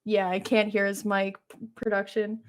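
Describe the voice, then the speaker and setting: A woman's voice: mid-range voice, little pitch movement, normal speed, smooth. A young woman hosting a live esports stream, upbeat and full of fillers, interviewing players.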